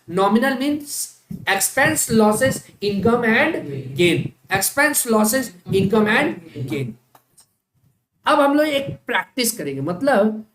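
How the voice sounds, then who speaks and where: A woman teaching an accounting class in speech, often asking the class check questions and slowing down to spell out key terms. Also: medium pitch. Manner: stretches out key terms slowly, as if for dictation. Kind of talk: classroom lecture. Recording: echoey classroom with faint noise.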